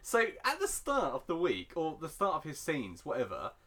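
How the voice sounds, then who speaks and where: A man's voice: fairly high pitch, wildly swooping pitch, moderate pace, bright, forceful tone. A man co-hosting a podcast, chatting casually, laughing often and slipping into silly voices. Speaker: podcast co-host. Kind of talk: casual chat with impressions.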